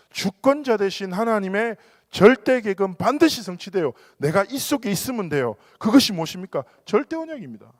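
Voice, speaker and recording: Lively, high-voiced male pastor preaching. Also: dry recording, studio quality. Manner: animated storytelling with humor and acted quotes. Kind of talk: sermon. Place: church.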